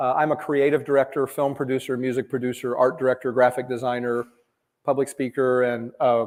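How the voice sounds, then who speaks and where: A man speaks at a medium pitch with a Midwestern American accent. His delivery is monotone and flat, at a fairly quick pace. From Kansas. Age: 60s. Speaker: entrepreneur and creative director. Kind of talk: talk to a live audience. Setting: event room with audience, also streamed online. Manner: hesitant, many fillers.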